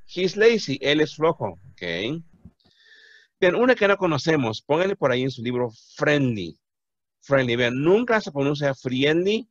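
A man's voice: on the high side, lively intonation, normal speed, no echo, muffled recording. A man teaching an English class to Spanish-speaking students, patiently repeating words to drill their pronunciation.

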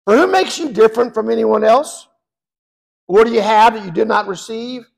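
A hoarse man in his seventies preaching a sermon as guest speaker, rambling with self-deprecating asides, his voice raspy. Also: high voice, moderate pace. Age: 70s.

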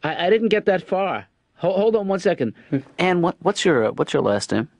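A man voicing a mild, hesitant middle-aged father in a cartoon, stammering in a gentle deadpan. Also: high voice, normal speed, dry recording. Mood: dry. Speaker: father and therapist.

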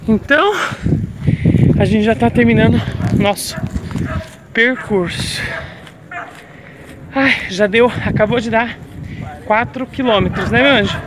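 A man's voice: very high-pitched, unhurried, pauses often. A man chatting casually to his viewers while filming a walk on a city street with a handheld phone. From Brazil. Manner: chatty, keeps addressing viewers as "gente". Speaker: vlogger. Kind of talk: casual walking vlog. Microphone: handheld phone camera while walking. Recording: noisy outdoor phone recording. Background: street traffic and outdoor ambience.

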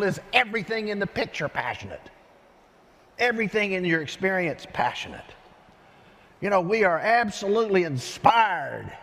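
An older man giving an energetic keynote speech on a large conference stage, telling stories with lively gestures through a headset mic. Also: high voice. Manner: animated storyteller with lively gestures. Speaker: keynote speaker. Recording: long hall reverb from arena.

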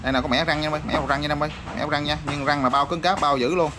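A man showing off used motorbike parts in a rapid, repetitive sales patter full of fillers. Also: a little high, fairly even intonation. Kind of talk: casual product showcase sales patter. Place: parts shop or workshop. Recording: noisy backdrop with passing vehicles.

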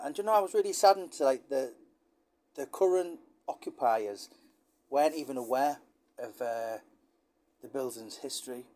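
A man's voice: mid-range voice, darkish tone. A man from Britain, a channel host talking in a chatty, rambling, wistful way with many fillers. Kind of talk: casual talking-head monologue.

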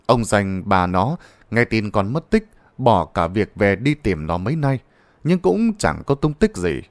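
A man's voice: lowish voice, big pitch swings, measured pace, no echo. A man narrating a ghost story in a dramatic, suspenseful manner.

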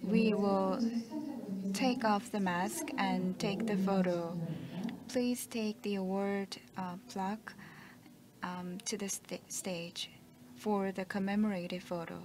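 Female interpreter, slow and halting, relaying stage directions at a ceremony. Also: medium pitch, steady tone, over a noisy crowd. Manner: hesitant, slow, with fillers and restarts. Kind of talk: live interpretation of event announcements.

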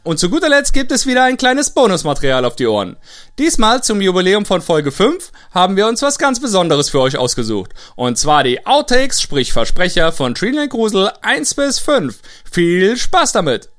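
A man's voice: sits high, big pitch swings, moderate pace, a bit bright. A man presenting a scripted introduction to bonus material as an announcer.

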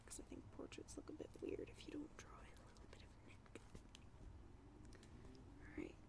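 A young woman doing a whispered, soft-spoken ASMR roleplay as an art student, hesitant and halting with subtle condescension, recorded at home. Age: young adult. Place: small dim room at home.

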